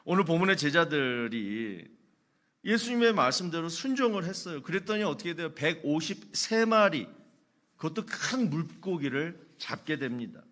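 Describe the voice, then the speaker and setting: A man's voice: on the high side, big pitch swings, normal speed, a bit bright. A middle-aged male pastor preaching a sermon, asking rhetorical questions and telling humorous anecdotes.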